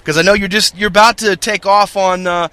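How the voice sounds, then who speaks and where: A man's voice: high voice, steady tone, a little fast, pushed and bright, clear, resonant tone. A young to middle-aged man speaking as the host of a religious podcast.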